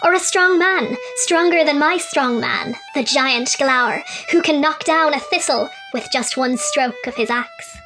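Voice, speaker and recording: A woman's voice: high voice, unhurried, hardly any pauses, pitched above the performer's own voice, rough recording. A woman voicing a proud, boastful tiny male fairy king who speaks in grand proclamations, with violin music behind.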